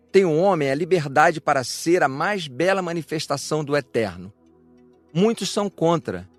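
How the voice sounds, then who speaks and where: Male reader, slightly high voice, declamatory spiritual narration, music bed behind. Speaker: audiobook reader of a spiritual lecture. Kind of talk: scripted narration, reflective religious discourse.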